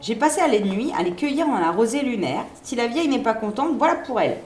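A woman's voice: a little high, big pitch swings, brisk, darkish tone, roomy sound, slight background noise. A woman voicing a cheeky, defiant little girl who is a witch, talking in a brash, boastful way. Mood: mocking.

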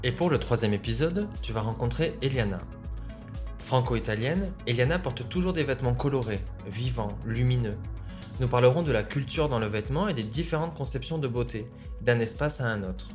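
Man, young adult, podcast host, measured delivery, faint music behind. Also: medium pitch, lively intonation. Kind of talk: scripted podcast intro, then interview questions.

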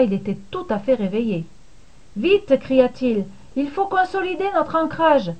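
A woman reading a serialized myth aloud in scripted storybook narration, with an expressive, dramatic delivery. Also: a little high. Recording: dull lo-fi recording.

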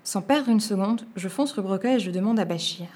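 A woman's voice: mid-range voice, fairly quick. Woman reading a children's tale aloud. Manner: expressive, lively storytelling. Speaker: storyteller.

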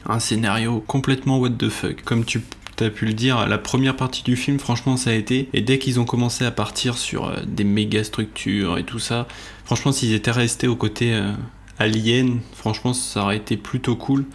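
A man on a casual film podcast reviews a film in a hesitant way, pausing often and sounding mildly exasperated. His voice sits at a middle pitch. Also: steady tone. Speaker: podcast panelist.

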